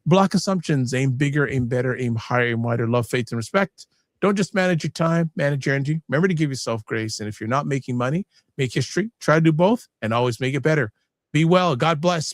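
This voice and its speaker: A man's voice: on the high side, brisk, no room sound, studio quality. A man hosting a live-streamed talk show, chatting casually and animatedly, often cutting himself off and joking. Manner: animated, self-interrupting, jokey. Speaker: host.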